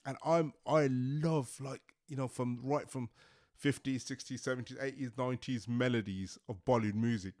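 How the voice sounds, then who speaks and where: A man's voice: medium pitch, steady tone, moderate pace, a little mellow. A man hosting a podcast, chatting casually and hesitantly with many fillers and restarts. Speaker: podcast host. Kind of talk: casual interview chat.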